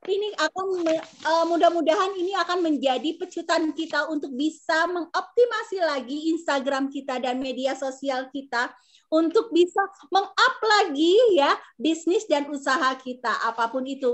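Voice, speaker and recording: A woman with an Indonesian accent and a strikingly high voice hosts an online class over a video call. Her delivery is informal, chatty and encouraging. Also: moderate pace.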